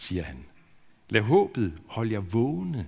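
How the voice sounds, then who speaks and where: A man's somewhat breathy, medium-pitched voice with lively intonation at a very slow pace. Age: 60s. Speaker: pastor. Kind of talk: sermon.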